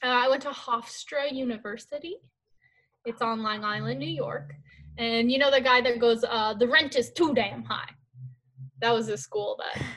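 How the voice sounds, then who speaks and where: In a normal speaking voice, a woman with an American accent speaks at a moderate pace, her fairly high pitch showing ordinary pitch variation. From US military bases, partly Germany. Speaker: comedy video performer. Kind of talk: casual chat. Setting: video call.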